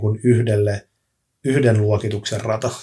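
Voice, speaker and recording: A man speaks in a fairly low voice that is somewhat breathy, with a dark, mellow tone. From Finland, Tampere. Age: 40s. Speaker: disc golf entrepreneur and player. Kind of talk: podcast interview.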